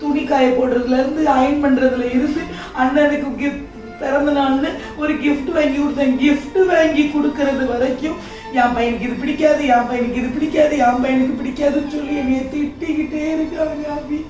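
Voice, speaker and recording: A woman plays a young wife tormented by her in-laws, pouring out her hurt in a high, emotional voice. It was recorded in a very echoey room from some distance, with soft music behind. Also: fairly even intonation, brisk, natural voice. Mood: tearful. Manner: emotional and pleading, bursts of anger. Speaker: actor in a church family skit. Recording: echoey room, far mic, faint music.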